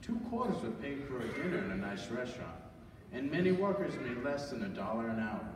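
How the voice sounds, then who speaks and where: A man's voice: medium pitch, very animated, brisk, natural voice. A man playing an older storyteller fondly recalling his childhood in a stage radio play, with a folksy manner. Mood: nostalgic. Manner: reminiscing, folksy. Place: large church auditorium, recorded from the audience. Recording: echoey hall from far off, noisy.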